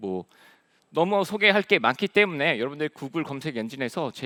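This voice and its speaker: In a very clean recording with a silent background and a dry, close sound with no echo, a man speaks at a fairly quick pace with very wide pitch swings. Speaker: conference speaker, cloud engineer. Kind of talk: conference talk. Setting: stage with audience. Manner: fast.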